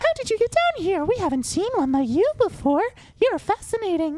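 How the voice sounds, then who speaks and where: Pitched extremely high, someone puts on a character voice and talks at a moderate pace. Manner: curious, inquisitive.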